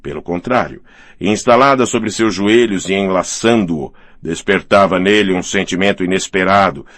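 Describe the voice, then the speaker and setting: A man narrating a novel as an audiobook in a steady, measured reading. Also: low-pitched, no echo.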